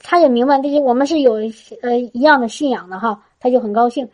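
High-voiced woman giving a church testimony. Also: fast, darkish tone. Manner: chatty, with frequent restarts and a tag particle at phrase ends. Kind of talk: testimony storytelling to a congregation.

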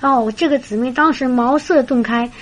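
Woman preacher, storytelling sermon, chatty fillers, fairly high voice. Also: moderate pace, low-quality recording. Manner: lively, chatty, many fillers.

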